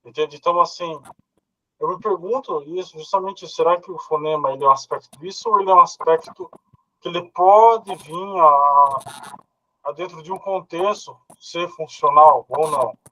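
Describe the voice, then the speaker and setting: Bright-voiced Brazilian man thinking aloud. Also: fairly high pitch, normal speed, rough recording. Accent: Brazilian Portuguese. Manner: thinking aloud, hesitant with fillers and laughs. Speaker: philosophy study group participant. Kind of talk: casual discussion.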